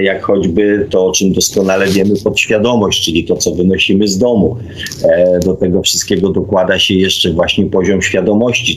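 Man, fairly low pitch, talk radio host, hesitant delivery, live discussion. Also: low-quality recording.

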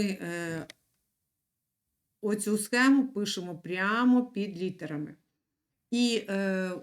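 A woman teaching young children in an online lesson, speaking slowly and clearly and repeating words for them to write down. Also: mid-range voice. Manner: patient, slow and clear, repeats words for dictation. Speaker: primary school teacher.

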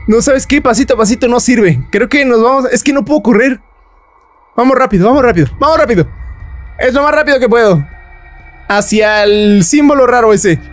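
A man's voice: very high-pitched, fairly quick, faint music behind. A man commenting on a horror game he is playing, joking and breaking into nervous laughs and shrieks. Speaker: gaming YouTuber.

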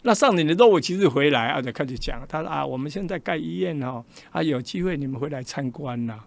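Fast, gravelly older man with Taiwanese Mandarin accent. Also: on the high side, no room sound. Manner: animated, acts out quoted dialogue with shifting voices. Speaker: radio interview guest. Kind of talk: personal storytelling in a radio interview.

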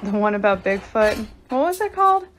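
An actress plays a wry daughter in a radio drama, with a medium-pitched female voice. She sounds conversational and skeptical, over faint background noise. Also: big pitch swings, brisk, natural voice. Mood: wry, casual. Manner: conversational, sardonic.

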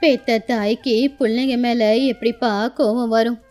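A woman voicing an affectionate, sorrowful elderly village grandmother, speaking slowly and plaintively in a children's moral story. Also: a little high, fairly even intonation, a little mellow, faint music behind, pitched below the performer's own voice, close to an everyday voice. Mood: tender, resigned. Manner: plaintive, slow, tender.

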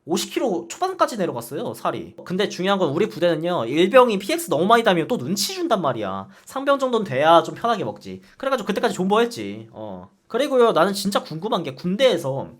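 A man's voice: quick pace, few pauses. A man in his twenties chatting casually on a stream, ranting with lots of swearing and laughter. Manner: profane, animated ranting with frequent laughs; acts out barked military quotes in a low voice. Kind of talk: casual streaming chat, reacting to a ranking game.

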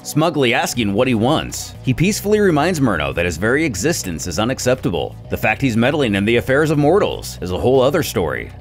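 A man narrates a dramatic scripted story recap with lively, swinging intonation. His voice sits at a middle pitch, and music plays faintly behind him. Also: quick pace, hardly any pauses.

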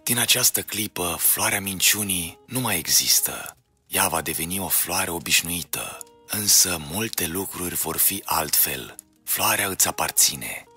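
A man's voice: low voice, pushed and bright, husky, full character voice. A man voicing a solemn, magical woman in white who gives guidance in a storybook.

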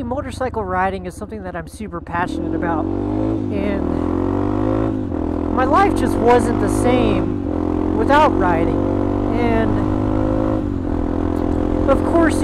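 A young man talking while riding a motorcycle, rambling and reflective, with lots of "you know" and "like". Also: sits high. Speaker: motovlogger. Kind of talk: motovlog monologue while riding. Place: outdoors on a moving motorcycle on suburban roads. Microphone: helmet-mounted action camera. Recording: loud wind and engine noise.

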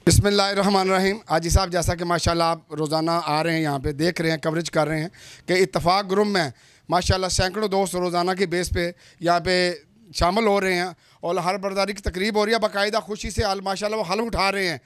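High-voiced man speaking into a handheld mic. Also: fairly even intonation, quick pace, a bit bright, no room sound, clean studio sound. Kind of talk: interview answer. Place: crowded indoor office.

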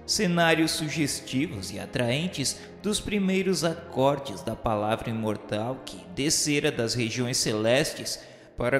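A man gives a solemn, formal narration of a literary radio drama, with measured, reverent delivery. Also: medium pitch. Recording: echoey long reverb over music. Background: music.

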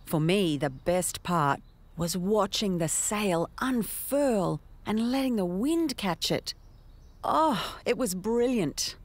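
A middle-aged woman hosting a children's program in a lilting, encouraging sing-song. Her voice has a soft breathy edge and it rises and falls a great deal. She talks at an ordinary pitch for a woman. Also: animated, takes it slowly. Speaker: children's show host. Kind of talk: scripted children's TV presenting.

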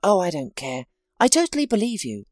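A woman's voice: lowish voice, very animated, fairly quick, darkish tone, no echo, clean studio sound, soft background music. A woman reading as a shaken, anxious wife. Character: shaken, ashamed betrayed wife.

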